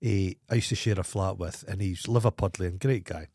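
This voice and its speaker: A man's voice: deep voice, fairly even intonation, fairly quick, mellow, husky, dry recording, clean studio sound. A Scottish man co-hosting a podcast, telling stories in blunt, sweary casual chat. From Scotland. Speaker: podcast co-host.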